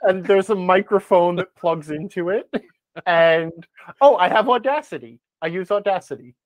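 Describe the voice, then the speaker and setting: The speaker is a man with a high voice talking at normal speed, guesting on a podcast as a game advice blogger in a relaxed interview. He wanders along, quoting himself and poking fun at himself, with no room sound in the recording.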